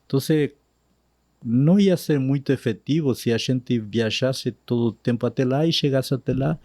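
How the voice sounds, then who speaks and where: A medium-pitched Argentine man, a native Spanish speaker, tells his story as a missionary guest on a podcast, speaking Portuguese with an Argentine accent. His slow, animated retelling lets Spanish words slip in, captured in a dry, clean studio recording.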